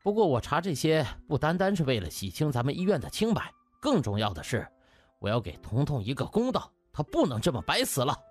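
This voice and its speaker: Man voicing an indignant young male doctor, swinging pitch. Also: big pitch swings, brisk, faint music behind. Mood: earnest, indignant. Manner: forceful, emphatic, aggrieved.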